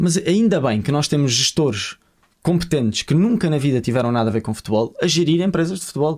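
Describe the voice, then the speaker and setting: A man speaks at a fairly quick pace with lively intonation. His pitch sits fairly high. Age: 20s. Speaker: football coach and commentator. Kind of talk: casual interview.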